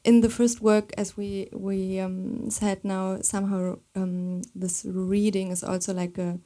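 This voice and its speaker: A woman moderates a live panel conversation. Her voice is warm and mellow and stays quite level in pitch. She phrases her questions haltingly, with hesitant pauses. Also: level tone.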